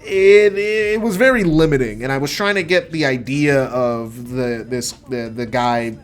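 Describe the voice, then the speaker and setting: A man giving an expressive, casual dramatic reading of his own first-person writing. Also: mid-range voice, measured pace, faint music behind. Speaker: writer reading own work.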